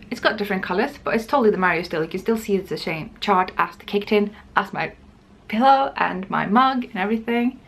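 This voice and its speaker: A woman's voice: mid-range voice, fairly bright tone, slight background noise. A woman chatting casually and informally to camera as the host of a knitting podcast. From Norway.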